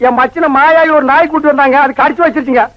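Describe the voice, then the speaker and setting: A man's voice: very high-pitched, steady tone, quick pace, no room sound. A man playing a comic villager, talking in a deferential, polite way. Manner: deferential, ends lines with polite -nga. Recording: dull dry lo-fi film soundtrack.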